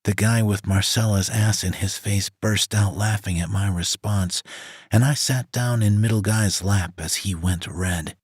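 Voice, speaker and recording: A man reading a romance audiobook aloud in the first person, in an even, scripted narration. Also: on the low side, measured pace, breathy edge, no room sound, studio quality. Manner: reads a woman's first-person story in an even voice.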